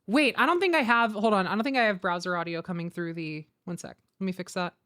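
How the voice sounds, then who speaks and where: A woman hosts a casual livestream in a medium-pitched voice. She talks informally and thinks aloud as she goes, close to the mic. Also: fast, a bit bright. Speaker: streamer and host.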